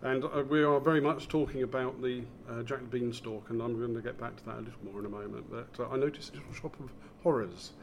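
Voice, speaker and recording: A man interviewing conversationally in a polite, measured, wry manner. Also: mid-range voice, vocal fry, a little hiss or hum. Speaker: interviewer, co-host.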